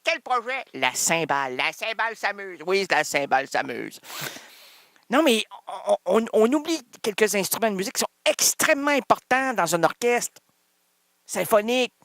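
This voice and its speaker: A man's voice: high-pitched, big pitch swings, normal speed, creaky, fairly bright tone, in a large hall. A man with a Quebec French accent hosting a radio show in a rambling comic monologue, full of teasing wordplay and repeated phrases. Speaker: radio host.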